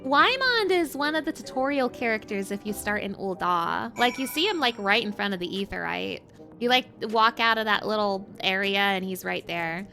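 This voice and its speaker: A woman streamer with a high-pitched voice, chatting in a bubbly, giggly way between game dialogue. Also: expressive, moderate pace, vocal fry, bright, forceful tone, faint music behind. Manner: bubbly, giggly, filler-heavy chat. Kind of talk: casual chat while reading game dialogue.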